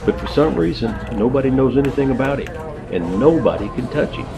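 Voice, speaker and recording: Male actor as an audio drama investigator, medium pitch, conversational, explanatory, wry, music underneath. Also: animated, fairly quick, gravelly. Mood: wry, intrigued. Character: male investigator briefing a colleague, wry and impressed.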